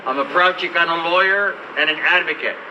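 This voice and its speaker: A man's voice: fairly high pitch, dull audio. Earnest man giving a formal speech. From Los Angeles. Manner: measured, earnest delivery. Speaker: lawyer and advocate. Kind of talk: formal speech at a press event. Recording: distant mic with light background noise.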